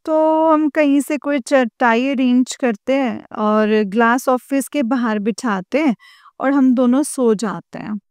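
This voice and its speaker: A woman telling her dream to a spiritual congregation, mixing English words into Hindi, with slow pauses and hesitations. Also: sits high, a little mellow, smooth, dry recording. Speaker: devotee sharing a dream experience. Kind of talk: personal testimony to a spiritual congregation.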